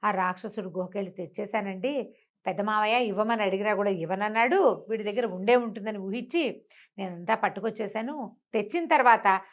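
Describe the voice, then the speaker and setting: A woman's voice: medium pitch, brisk, close to an everyday voice. A woman as a sheepish, pleading village wife. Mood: confessing.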